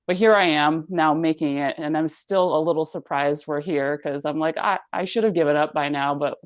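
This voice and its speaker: Woman, late 30s, low register, casual conversational delivery, slightly muffled dry recording. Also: fairly even intonation, moderate pace, no echo. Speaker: online diet content creator. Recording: dry, slightly dull microphone sound.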